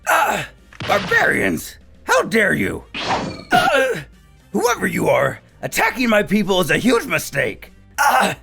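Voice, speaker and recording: A man voicing a proud, short-tempered young warrior prince from space, indignant and haughty, in an animated story. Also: high-pitched, slow, creaky, slightly rough, faint music behind, voice pushed up, full character voice.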